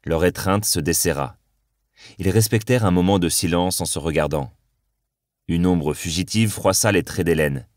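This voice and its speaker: A man narrating an audiobook novel in an even, measured reading. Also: low-pitched, dry recording, studio quality. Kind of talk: scripted narration.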